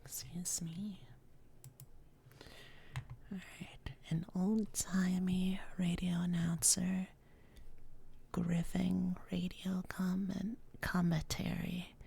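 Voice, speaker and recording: Slow gravelly whispering woman. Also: on the low side, little pitch movement, slight background noise. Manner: soft unvoiced whisper, rambling and chatty. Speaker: streamer. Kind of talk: whispered ASMR-style stream chat.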